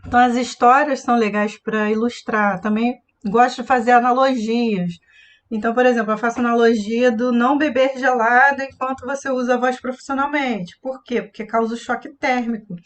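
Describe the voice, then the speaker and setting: A woman's voice: a little high, steady tone, a little fast. A woman voice coach teaching a live online class, speaking expressively and showing different tones of voice as she explains.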